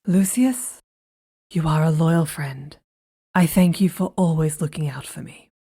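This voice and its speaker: A woman's voice: sits low, unhurried, warm tone, breathy edge, heavily acted. A woman playing a haughty, spiteful queen in a fantasy audio drama, with an imperious, dramatic delivery. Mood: guarded, grave.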